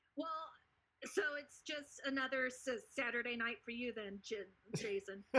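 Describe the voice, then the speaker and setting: At a moderate pace, a woman with a high pitch and bright, sharp tone speaks with ordinary pitch variation and long, frequent pauses. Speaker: comedian. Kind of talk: casual chat. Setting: video call. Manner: halting.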